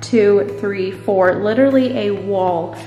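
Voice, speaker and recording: Female home vlogger, upbeat casual tour delivery, mid pitch, reverberant empty-house sound with music underneath. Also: takes it slowly, warm tone, highs cut off. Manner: upbeat, enthusiastic. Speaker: home renovation vlogger and host. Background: background music.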